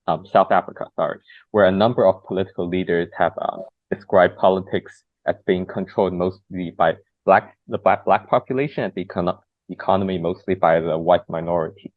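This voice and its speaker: A man interviewing, reading out a long question in a halting way and correcting himself partway through. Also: sits low, no echo. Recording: dry, tinny phone-like sound.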